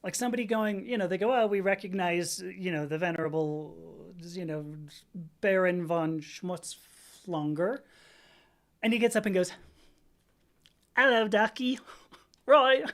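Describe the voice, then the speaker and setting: A woman's voice: lowish voice, unhurried, long pauses. A woman in her fifties hosting a livestream, chatting casually in a rambling way, laughing often and reading out viewers' comments. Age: 50s. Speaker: livestream host.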